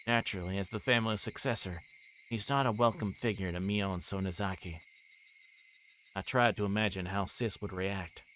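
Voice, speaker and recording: Streaming live, a low-voiced man reads a story game aloud at a moderate pace, with asides and the odd stumble he corrects. The recording is rough, with steady noise behind him.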